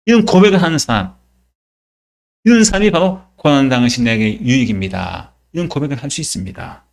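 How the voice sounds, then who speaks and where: A man's voice: high-pitched, fairly bright tone. A male pastor preaching a Sunday sermon, emphatic, asking rhetorical questions and answering them himself. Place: church.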